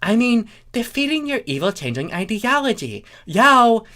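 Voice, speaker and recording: A woman's voice: fairly high pitch, sing-song, normal speed, sharp tone, voice pushed up. A woman voicing an earnest, exasperated male insect-like creature who pleads emphatically in a comic story reading. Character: earnest male changeling, peace-making, exasperated debater.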